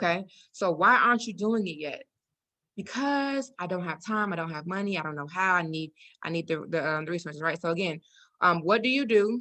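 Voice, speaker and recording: An animated, bright, sharp tone from a woman at a fairly low pitch and a fairly quick pace. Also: lively intonation. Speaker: sales trainer. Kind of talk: training session. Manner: fast.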